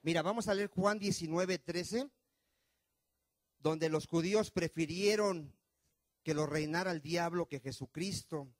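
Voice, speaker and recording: A male pastor preaches, firing question after question at his congregation. His voice sits fairly high for a man, swinging from loud pushes to low murmurs. The sound is dry and close. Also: a little slow, no room sound. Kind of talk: sermon. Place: church.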